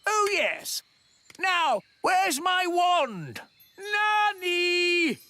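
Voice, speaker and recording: Flustered british fairy king in a kids cartoon, bright loud bellow, high voice. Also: big pitch swings, very slow, exaggerated voice. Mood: flustered, demanding. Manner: bellowing, helpless. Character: bumbling, demanding fairy king. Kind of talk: children's cartoon acting.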